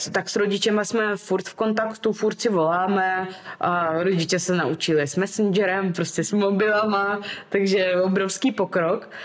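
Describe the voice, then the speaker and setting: A woman with a Ukrainian accent talks at a moderate pace in a medium pitch with fairly even intonation. Noticeable background noise is present. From Donetsk region, eastern Ukraine. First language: Russian-Ukrainian Surzhyk (speaking Czech). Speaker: Ukrainian emigrant, medical student. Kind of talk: podcast interview.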